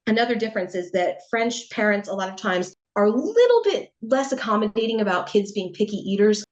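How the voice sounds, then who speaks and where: A woman's voice: medium pitch, animated, brisk, a little mellow, highs cut off. A middle-aged American woman answering interview questions in a chatty, reflective way, hedging often and laughing now and then. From United States. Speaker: interview guest, writer.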